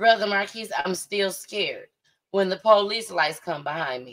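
A woman talks fairly slowly at a medium pitch, animated and lively in intonation, with big swings in loudness. The background is quiet. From US Midwest. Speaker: show host. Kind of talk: casual interview. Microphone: studio mic.

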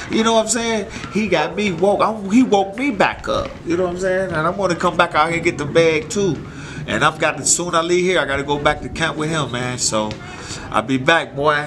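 A man with an American accent and a high voice for a man talks at a fairly quick pace over noticeable background noise. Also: lively intonation. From Detroit, West Side; Detroit. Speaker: retired professional boxer. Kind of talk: casual interview. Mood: relaxed, confident storytelling. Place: garden.

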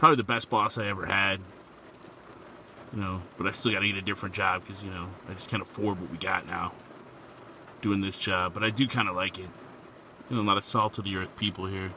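A man talks at a very fast pace in a fairly low pitch, with fairly even intonation. The sound is dry with no echo, and there is light background noise. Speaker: store worker vlogger. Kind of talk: casual vlog chat. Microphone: phone near.

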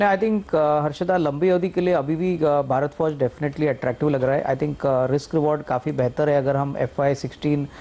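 The pace is moderate. This man's intonation is fairly even. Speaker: guest. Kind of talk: interview answer. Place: studio. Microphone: lapel.

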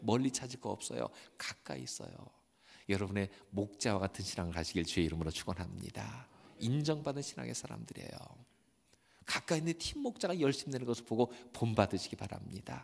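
Speaking at a fairly quick pace, a man with a fairly low pitch and vocal fry moves through very wide pitch swings against a quiet background. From South Korea. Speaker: pastor. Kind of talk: sermon. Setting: church. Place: church. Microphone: podium.

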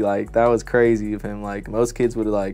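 Faint music sits in the background. Over it, a man talks very fast. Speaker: sneaker vlogger. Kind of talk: casual vlog chat. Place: home room. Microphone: lapel.

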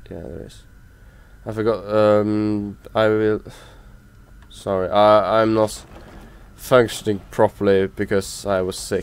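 Speaking with a Norwegian accent, a man of fairly low pitch talks at a very slow pace in a monotone, flat delivery with long, frequent pauses. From Norway. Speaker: gaming YouTuber. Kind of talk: let's play gameplay commentary. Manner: halting.

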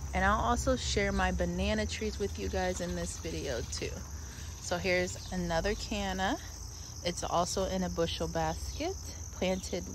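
The recording is dry with no echo, and a man talks fairly slowly while noticeable background noise carries on. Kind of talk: casual vlog chat. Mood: enthusiastic, admiring. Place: garden. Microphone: phone near.

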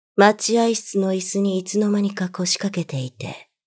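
The voice is somewhat breathy and fairly slow, with a dry, close sound and no echo. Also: woman. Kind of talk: ghost story reading.

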